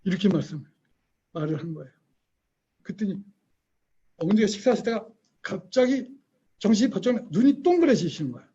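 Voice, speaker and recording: A man's voice: high voice, big pitch swings, a little fast, pauses often, warm tone, slightly rough, muffled recording. A man teaching an online parenting lecture, telling stories, acting out quoted voices and quizzing his listeners. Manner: storytelling, acts out quoted voices, quizzes the audience.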